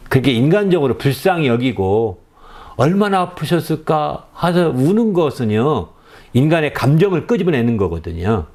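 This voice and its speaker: A middle-aged male pastor delivers a conversational sermon, frequently checking in with the congregation through a quick "eh?". His voice sits on the high side with a darkish tone.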